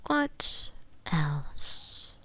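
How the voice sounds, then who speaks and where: A woman playing a gleeful, coolly clinical female mad scientist in a scripted ASMR roleplay, musing with relish close to a binaural microphone. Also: background noise. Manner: unhurried, musing, relishing, with soft breathy hums and sighs. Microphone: close binaural microphone, dry.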